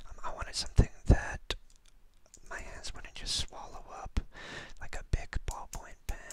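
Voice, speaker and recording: A man whispers at a fairly slow pace, his loudness swinging widely and his speech broken by long, frequent pauses. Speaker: pen reviewer. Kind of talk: casual product review talk to camera. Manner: whispered. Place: home room.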